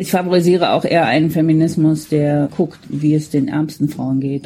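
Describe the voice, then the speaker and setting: Talking at a moderate speed, a woman has a very deep, low pitch. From Magdeburg, eastern Germany. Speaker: author. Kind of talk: interview.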